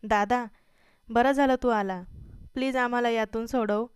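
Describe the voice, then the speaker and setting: A woman's voice: fairly high pitch, steady tone, moderate pace, smooth, dry recording, clean studio sound, close to an everyday voice. A woman voicing a frightened young man who pleads through tears in a storybook reading. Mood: pleading, tearful. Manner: pleading, crying.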